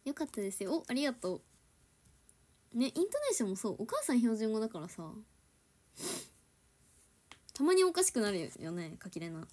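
Her pitch sits on the high side and swoops wildly, the pace is brisk yet broken by long pauses, and the tone is somewhat dark. She's a young adult idol livestreamer at home with a Kansai accent, casually chatting with viewers, giggling frequently and alternating Kansai dialect with standard Japanese.

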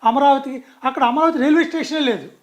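A man's voice: extremely high pitch, fast. A man speaking as a guest in a political interview, talking emphatically and often restarting and correcting himself mid-sentence.

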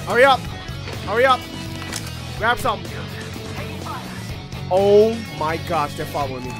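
Excitable young man yelling over gameplay. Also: high-pitched, a little slow, over music. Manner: excitable, yelling, cursing, repeats phrases. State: losing his voice. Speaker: gaming YouTuber. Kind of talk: loud reactive gameplay commentary.

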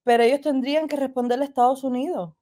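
A woman on a live stream who reasons calmly through a point. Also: high-pitched, quick pace.

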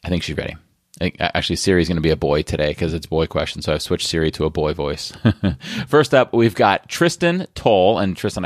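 A man's voice: sits low, dry recording, clean studio sound. A middle-aged man hosting a podcast, talking in a chatty, friendly way that sometimes rambles into restarts. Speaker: podcast host. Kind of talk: solo podcast segment.

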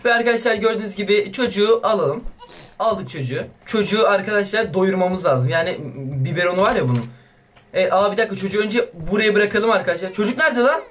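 A young man commentating a horror game as a YouTuber, excitable and swearing playfully at the baby. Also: high voice, fast talker. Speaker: gaming YouTuber. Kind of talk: let's play commentary.

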